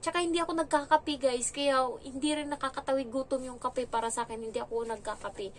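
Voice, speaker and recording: A young adult woman from the Philippines talks in a casual, frank vlog voice that sits a little high. She gets animated when she retells scenes. A faint hiss runs under the recording. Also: fast. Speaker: vlogger, domestic helper.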